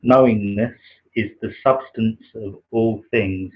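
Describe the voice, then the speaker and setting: Quiet, hesitant man with a husky voice. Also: on the low side, steady tone. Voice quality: naturally quiet voice. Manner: soft-spoken, hesitant, many pauses and fillers. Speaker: livestream host reading aloud. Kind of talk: slow contemplative reading of a spiritual text. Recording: dull lo-fi livestream audio.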